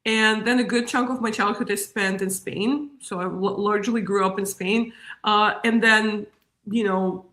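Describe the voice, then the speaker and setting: A woman's voice: mid-range voice, moderate pace. Russian-accented woman in an echoey room. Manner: animated, laughs often. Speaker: guest, media strategist. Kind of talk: casual interview talk.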